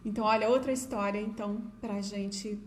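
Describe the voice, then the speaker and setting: A woman's voice: mid-range voice, fairly even intonation, a little fast. A middle-aged Brazilian woman with a Brazilian Portuguese accent, casually telling stories to viewers in an affectionate, chatty way and often adding "né?". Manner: chatty, affectionate, many diminutives and "né?" asides. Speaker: educator sharing stories. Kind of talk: casual storytelling talk to viewers. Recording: echoey room with faint ambient noise.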